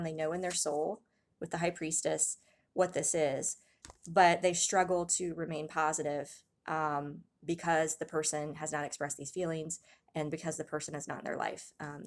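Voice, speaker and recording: A woman with a low voice reads tarot cards for her viewers in a soft, hesitant way. She pauses often and restarts her sentences. Her throat sounds slightly raspy. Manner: soft-spoken, hesitant, many ums and restarts, gasps in awe. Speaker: tarot reader. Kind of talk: casual spiritual tarot reading to viewers.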